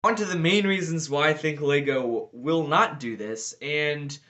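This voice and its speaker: A man's voice: a little high, measured pace, sharp tone. A man talking casually on a hobby vlog, rambling and often filling with "you know" and "like". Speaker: Lego video creator. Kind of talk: casual speculative vlog chat.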